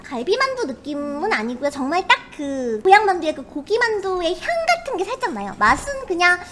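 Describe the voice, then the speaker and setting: A woman's voice: very high-pitched, pushed and bright, a little hiss or hum. A woman with a cutesy, girlish voice hosting a casual snack review, crunching chips as she talks. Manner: crunching chips between remarks, talking while eating. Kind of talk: casual livestream mukbang.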